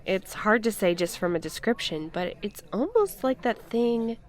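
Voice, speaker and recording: A woman's voice: medium pitch, normal speed, natural voice. A woman playing a stubborn, curious, defiant woman in naturalistic audio drama dialogue. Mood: intrigued. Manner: expressive, argumentative.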